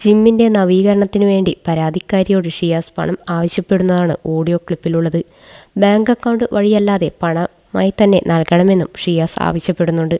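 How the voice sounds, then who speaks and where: A woman reads scripted news narration as a reporter. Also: on the low side. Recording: thin phone-like narrow-band sound.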